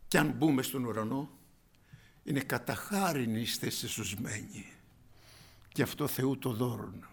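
A man preaching a sermon, calling out loudly and then dropping to a hushed whisper, addressing his listeners as brothers and sisters. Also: mid-range voice, vocal fry, husky. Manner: swings from loud exclamations to hushed whispers. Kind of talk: evangelical sermon.

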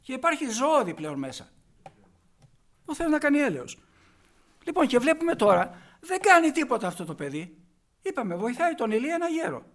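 A man delivers a sermon in a very high voice. He preaches emphatically and keeps putting rhetorical questions to his listeners. He drops into hushed asides and then comes back loud on the points he stresses. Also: huge pitch swings, pauses often.

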